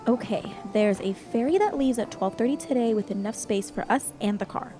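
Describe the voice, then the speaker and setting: A woman's voice: on the high side, brisk, lightly acted. A woman playing a practical, matter-of-fact young water nymph in a naturalistic audio drama.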